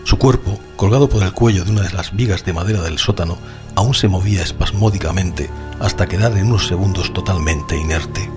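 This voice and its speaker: An actor playing a grave narrator reading out a grim report in a horror audio drama. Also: male voice, low-pitched, brisk, natural voice. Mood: grave, macabre. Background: music.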